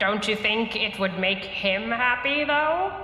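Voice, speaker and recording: Against clear background noise and a slight echo, a woman performs a put-on character voice. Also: fairly high pitch for a woman, fairly slow pace. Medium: actual play. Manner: sweet, gently coaxing.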